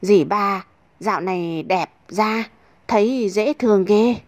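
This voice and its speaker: A woman's voice: mid-range voice, takes it slowly, natural voice. Woman doing a crude, pushy brother-in-law. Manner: bossy, coarse.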